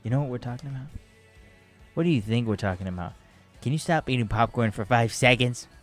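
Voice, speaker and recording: A man's voice: mid-range voice, a little fast, soft background music. A man in his twenties hosting a casual Christian radio talk show, teasing his brother and rambling loosely. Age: 20s.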